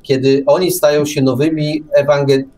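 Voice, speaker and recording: A man's voice: on the high side, level tone, normal speed, dark tone. An older man in casual radio discussion, arguing his points with irony. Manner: argumentative, ironic. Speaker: radio show speaker.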